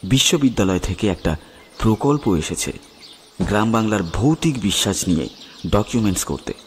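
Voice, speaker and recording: A man narrating a scripted horror story dramatically, with suspenseful, weighted pauses. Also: on the low side, very animated, slight background noise. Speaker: narrator and presenter. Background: music with birds and crickets.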